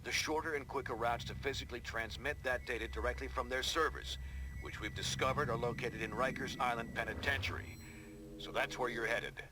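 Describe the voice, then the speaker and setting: A man's voice: medium pitch, steady tone, a little fast, lightly acted. A man playing a no-nonsense team commander in a video game, briefing in a blunt, informal, commanding way. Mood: brisk, blunt. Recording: clear background noise.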